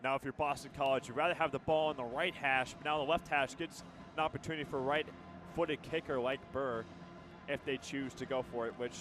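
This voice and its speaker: A man's voice: medium pitch, steady tone, fairly quick, music in the background. An American man giving conversational, analytical color commentary on a live football broadcast.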